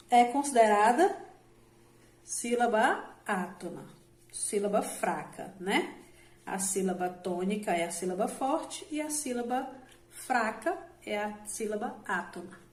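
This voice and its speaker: A woman with a slightly high voice gives a recorded grammar lesson to adult students. She explains patiently and keeps checking that they follow. Her voice echoes around the room. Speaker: Portuguese teacher.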